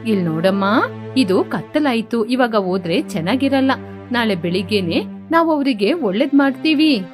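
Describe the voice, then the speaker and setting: A woman's voice: on the high side, animated, moderate pace, faint music behind, close to an everyday voice. A woman voicing an anxious middle-aged village mother who talks in a soothing, coaxing way.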